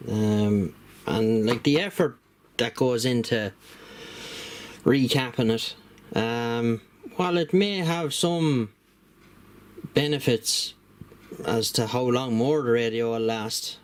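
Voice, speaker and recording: A man's voice: mid-range voice, slow, pauses often, a little hiss or hum. Rambling middle-aged man at a workbench. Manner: rambling, full of ums and you-knows, plain-spoken. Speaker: radio hobbyist channel host. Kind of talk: casual hands-on demonstration.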